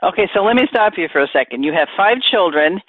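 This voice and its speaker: A woman hosting an interview podcast, asking questions in a measured, conversational way. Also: lowish voice, lively intonation, slightly rough. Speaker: podcast host. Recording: tinny phone-line sound.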